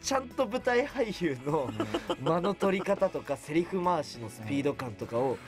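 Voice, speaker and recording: A man in his twenties talks as a guest on a casual radio show. His pitch is fairly high and moves a lot, his manner modest and deferential, with light music behind. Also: animated, normal speed. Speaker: radio guest, stage actor. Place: radio studio. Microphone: studio microphone on boom arm. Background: background music.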